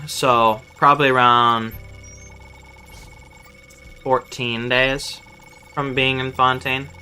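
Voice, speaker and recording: A man's voice: mid-range voice, little pitch movement, slow, bright, forceful tone, smooth. A man chatting casually while livestreaming a video game, playful and rambling, often repeating his phrases. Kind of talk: casual livestream gameplay chat. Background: faint game music.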